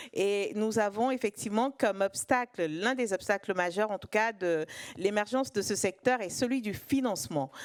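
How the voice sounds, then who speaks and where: A woman in a French accent, medium pitch, fairly quick pace and ordinary pitch variation, with a dry, close sound and no echo. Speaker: audience member, think tank president. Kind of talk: audience question.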